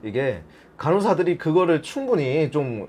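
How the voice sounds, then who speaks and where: A man's voice, dark and mellow in tone. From Gyeongsang region, South Korea. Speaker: nurse. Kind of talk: casual interview chat.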